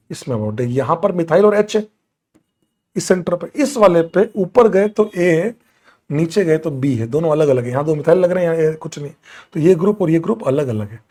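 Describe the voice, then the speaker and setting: Guy teaching chemistry live online, kinda high voice, scolding and teasing the kids in chat. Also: mellow. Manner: scolding, teasing students in chat, mixing English terms. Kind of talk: live online lecture answering doubts.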